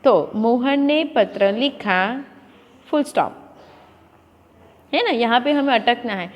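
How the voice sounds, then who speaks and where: A woman's voice: a little high, lively intonation, takes it slowly, muffled recording. A woman teaching a school lesson to children, explaining patiently and mixing Hindi with English words. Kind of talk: classroom lesson. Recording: long echoing reverb.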